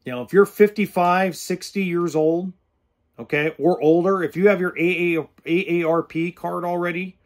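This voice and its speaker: A man in his forties hosting a podcast, talking straight to the camera in a blunt, earnest way into a close studio mic indoors. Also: on the high side. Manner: blunt, earnest straight talk with hand gestures. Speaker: podcast host. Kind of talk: casual direct-to-camera talk. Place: indoors in an RV or home kitchen. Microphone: studio mic with pop filter close in front.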